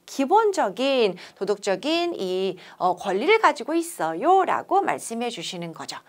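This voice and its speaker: A young woman teaches English speaking in a lecture, and her high voice swings up and down with energy. She reads model sentences slowly and crisply, then asks her students to repeat after her. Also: big pitch swings. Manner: slow, over-enunciated English model phrases. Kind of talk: classroom lecture.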